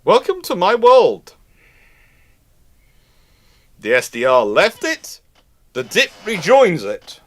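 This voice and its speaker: A man's voice: high voice, huge pitch swings, slow pace, pauses often, a bit bright. Male live-stream host, unscripted and discursive, stop-start delivery, prone to exasperated asides. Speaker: host of a live naval history question stream.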